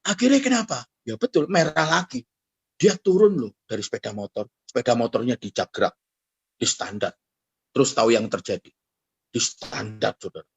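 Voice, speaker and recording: A man's voice: mid-range voice, moderate pace, husky, no room sound. A middle-aged man preaching a sermon, telling stories and acting out the voices of the people in them. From Indonesia. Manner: animated storytelling, acts out quoted voices, addresses the congregation directly. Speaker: pastor.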